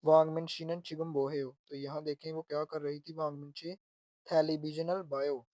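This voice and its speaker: A man's voice: a little high, level tone, moderate pace, a little mellow, no echo. A man teaching Korean, patiently explaining phrases word by word. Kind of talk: explaining Korean exam lessons.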